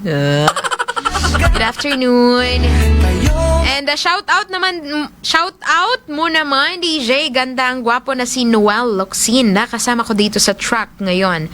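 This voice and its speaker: A woman's voice: high voice, lively intonation, takes it slowly. A woman hosting a call-in radio show, chatty and playful as she reads out listener greetings. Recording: music bed playing loudly behind.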